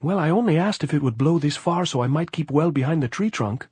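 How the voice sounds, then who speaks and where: A man voicing a nervous, excitable gypsy guerrilla who chatters in old-fashioned phrasing in an audiobook. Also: a little high, a little fast, slightly rough, dry recording, pitched above the performer's own voice. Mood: anxious. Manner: excitable, raised voice, archaic phrasing.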